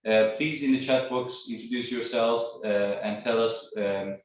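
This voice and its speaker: Man from Turkey, trainer on a video call; halting, filler-heavy delivery, echoey and distant. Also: mid-range voice, steady tone. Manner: hesitant, many fillers. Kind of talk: online training presentation. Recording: echoey room, far from mic.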